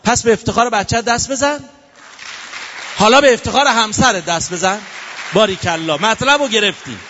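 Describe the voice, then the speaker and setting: A man preaches animatedly and playfully to a live audience and keeps prompting them to applaud. His voice is very high and bright. It carries a long hall reverb on dull, muffled audio. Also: a faint crowd, slight background noise. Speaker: religious speaker. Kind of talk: lively sermon to a live audience.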